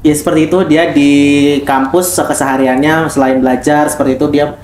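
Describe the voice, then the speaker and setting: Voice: medium pitch, steady tone, a little fast, a little mellow. A speaker acting as a guest's interpreter, prompting and restating answers conversationally. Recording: echoey room with background noise.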